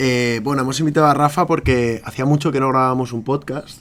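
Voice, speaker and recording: This man speaks at a fairly quick pace and medium pitch, his intonation fairly even, with noticeable background noise behind him. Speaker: podcast host. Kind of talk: casual chat.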